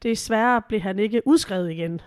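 A woman co-hosts a podcast from a living room at home, chatting casually in a giggly, hesitant way with lots of fillers, her voice altered by a cold. Her medium-pitched voice is a little mellow and smooth, with clean studio sound and no echo.

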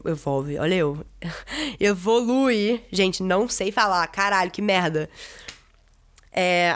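A young woman from Brazil chats to the camera about her own stories. She talks loosely, with lots of fillers, and swears casually now and then. Her pitch sits in the middle range. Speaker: vlogger. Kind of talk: casual storytelling.

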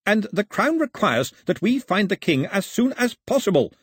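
A man voicing an imperious, impatient gentleman of the Crown in a formal, commanding, clipped manner for an audiobook. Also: high voice, sing-song, moderate pace, slightly rough, no echo, clean studio sound, pitched above the performer's own voice, heavily acted. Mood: tense, grave.

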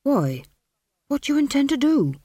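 A woman's voice: fairly low pitch, lively intonation, a little slow, dark tone, breathy edge, no room sound, clean studio sound, exaggerated voice. A woman voicing a worried village blacksmith, a timid man with a hesitant, pleading manner, in an audiobook. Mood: bewildered.

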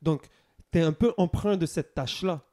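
A man with a Quebec French accent, asking questions in steady casual chat. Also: on the high side, normal speed.

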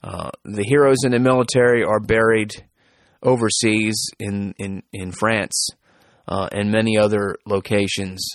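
A man's voice: fairly low pitch, fairly even intonation, a little slow, dry recording. A man hosting a podcast, speaking casually with many fillers and restarts as he introduces an interview. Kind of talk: casual spoken introduction, then interview questions.

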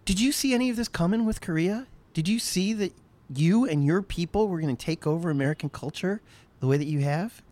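An interviewer host in casual chat, chatty and enthusiastic in manner. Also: brisk. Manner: chatty, lively intonation with big pitch swings.

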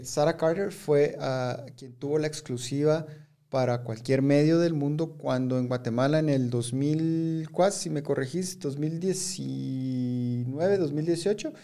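A man hosting an interview podcast in Spanish, introducing his guest and supplying words when she gets stuck. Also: a little high. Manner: warm, helps the guest with words. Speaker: podcast host. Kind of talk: casual interview.

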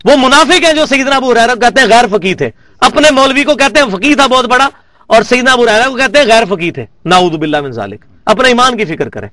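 A man's voice: very high voice, animated, pushed and bright, no echo. A man from Pakistan giving a religious lecture, emphatic, repeating key words for stress. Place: lecture hall at a research academy.

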